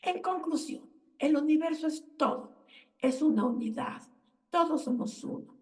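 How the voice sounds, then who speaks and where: A woman's voice: sits high, measured pace, darkish tone, recorded from a distance. A woman giving an earnest, lecturing spiritual talk as a radio host.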